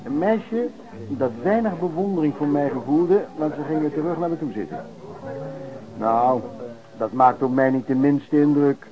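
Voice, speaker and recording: Man playing a lively-tongued old-time vagrant storyteller, dull recording. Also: on the high side, normal speed, music in the background, natural voice. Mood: reflective. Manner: colloquial, hesitant, anecdotal raconteur with old-fashioned turns of phrase. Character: rough, hard-drinking male vagrant pedlar reminiscing about lodging-house life. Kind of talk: Dutch radio play storytelling. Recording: dull, lo-fi radio play recording.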